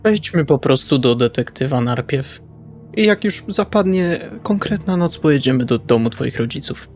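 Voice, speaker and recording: A man's voice: mid-range voice, lively intonation, moderate pace, a little mellow. A man playing in a tabletop role-playing session, talking casually and partly in character. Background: background music.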